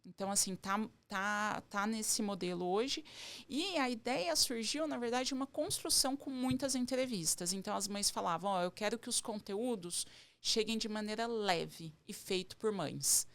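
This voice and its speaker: A woman's voice: medium pitch, animated, normal speed, a bit bright. A woman from the São Paulo interior with a strong country accent, speaking as a podcast guest and explaining her work at length. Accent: rural São Paulo interior. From Barretos, Brazil. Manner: earnest, explains in long runs with many "então". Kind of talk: casual podcast conversation.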